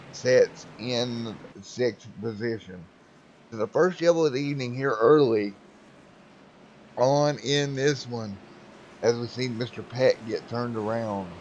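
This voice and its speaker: A folksy man calls a simulated stock car race, play by play, in a voice of middle pitch. Faint engine noise hums behind him. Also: darkish tone, rough recording. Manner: folksy, drawling, says "Mister" before drivers' names. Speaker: race commentator. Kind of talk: sim racing play-by-play commentary.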